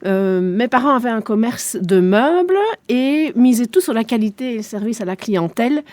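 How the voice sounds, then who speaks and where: A woman's voice: a little high, animated, moderate pace, a little mellow, no echo. A woman in her forties, a native German speaker from eastern Belgium, answering radio interview questions in a composed, businesslike way. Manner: composed, businesslike, explains with figures. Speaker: guest, shopping centre director.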